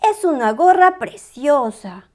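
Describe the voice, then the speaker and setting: A woman's voice: high-pitched, lively intonation, slow pace, darkish tone. A woman voicing a bothered but grateful male beaver in a storybook.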